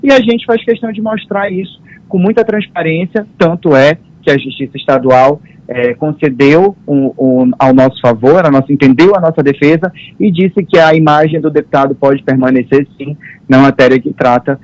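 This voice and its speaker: A man's voice: a little high, fairly even intonation, normal speed, darkish tone, no room sound, rough recording. A man commenting on politics on a news show, speaking firmly and stressing his points by repeating them. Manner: firm, emphatic and repetitive. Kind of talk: studio commentary.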